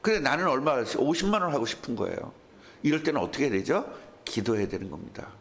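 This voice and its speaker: This male pastor talks fast in a medium-pitched voice, preaching a sermon through animated storytelling and acting out the voices of the people in his stories.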